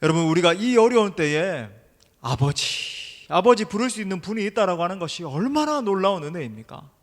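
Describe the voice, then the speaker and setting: A man's voice: sits high, very animated, fast talker. A middle-aged man preaching a sermon as senior pastor, speaking emphatically and directly to his congregation in a church sanctuary. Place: church sanctuary during an evening service. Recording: long reverb of a large hall.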